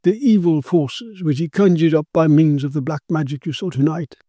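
A man voicing a commanding, grave male occult detective who explains dark matters with authority. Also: a little high, normal speed, no room sound, studio quality, lightly acted.

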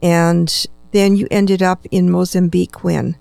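Creaky-voiced woman interviewer, close and dry. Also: lowish voice, steady tone, measured pace, warm tone, dry recording. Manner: encouraging, frequent backchannel responses. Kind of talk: conversational interview.

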